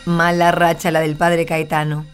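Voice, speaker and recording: A woman's voice: on the low side, completely flat delivery, normal speed, music in the background. A woman narrating a scripted radio drama as a playful storyteller who addresses the listeners.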